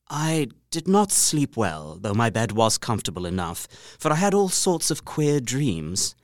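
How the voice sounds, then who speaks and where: An actor playing a proper, earnest young English gentleman narrating his journal in an audio drama, precise and expressive. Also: mid-range voice, no echo, close to an everyday voice. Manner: expressive, precise, faintly bemused.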